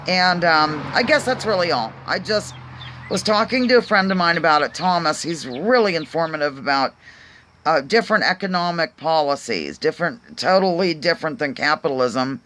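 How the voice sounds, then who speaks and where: A woman with a Pennsylvania accent muses aloud to her viewers in a bright, sharp-toned voice. She rambles and restarts often, trailing off into ums as she works through earnest questions. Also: sits low, animated, moderate pace. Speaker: vlog host. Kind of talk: casual musing monologue to viewers.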